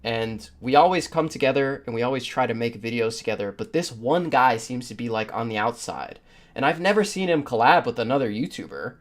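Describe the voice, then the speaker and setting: A man's voice: medium pitch, lively intonation, fairly quick. A man co-hosting a podcast, talking casually in a discussion. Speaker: podcast co-host.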